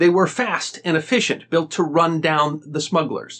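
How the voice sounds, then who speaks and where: Pitch varies in an ordinary way as a man speaks at a moderate pace. He has an ordinary speaking voice, pitched fairly high. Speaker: history narrator. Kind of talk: history documentary narration. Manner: measured, steady storytelling delivery.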